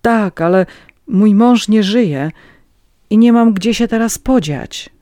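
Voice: mid-range voice, slow pace, warm tone, no echo, voice pushed up, close to an everyday voice. A reader voicing an exhausted young pregnant peasant woman who pleads timidly, in an audiobook reading. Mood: pleading.

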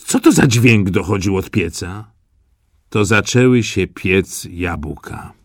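A man reading a fairy tale aloud in an animated storytelling manner. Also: low-pitched, slow, no echo, clean studio sound.

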